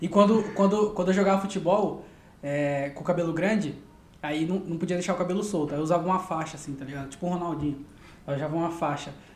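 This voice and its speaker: A high-pitched man at a very fast pace, fairly even in intonation, with long, frequent pauses and audible room echo. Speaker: comedian. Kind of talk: casual chat. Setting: home recording.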